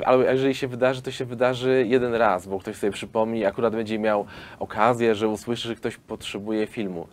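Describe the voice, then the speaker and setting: Guy in his 30s talking business in a studio, lowish voice, lots of ums, faint hiss behind. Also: a little mellow. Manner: explanatory, hesitant with frequent fillers. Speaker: film studio founder pitching investors. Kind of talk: business interview. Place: film studio hall.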